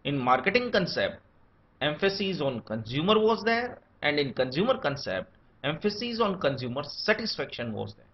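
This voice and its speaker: Male lecturer, Indian accent, steady itemized delivery, lively intonation, muffled lo-fi recording. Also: fairly high pitch, normal speed. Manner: steady enumerating delivery, lists points one by one. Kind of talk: scripted academic lecture. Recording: dull lo-fi recording.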